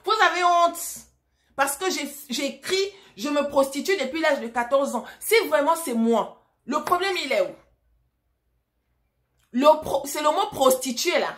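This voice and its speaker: Emphatic woman vlogger, slightly high voice. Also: expressive, unhurried, long pauses, fairly bright tone. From Africa. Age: adult, married mother. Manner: emphatic and direct, asks viewers rhetorical questions. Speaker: vlogger and storyteller. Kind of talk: casual vlog monologue.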